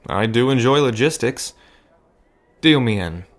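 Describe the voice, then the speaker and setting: A man playing a wry, cautious sidekick to a poker boss, with a dry, deliberate delivery in a scripted audio drama. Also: medium pitch, lively intonation, lightly acted.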